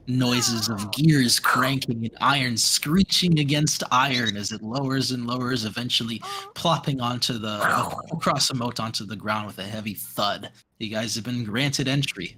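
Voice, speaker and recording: A man narrating as game master, halting and restarting often with many fillers. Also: medium pitch, bright, forceful tone, rough recording.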